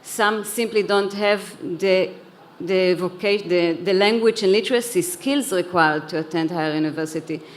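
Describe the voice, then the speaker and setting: A woman's voice: lowish voice, normal speed. A woman who grew up in Israel, speaking earnestly on a conference panel, with a few restarts and repeated words. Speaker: panelist, head of an education organization. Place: conference hall.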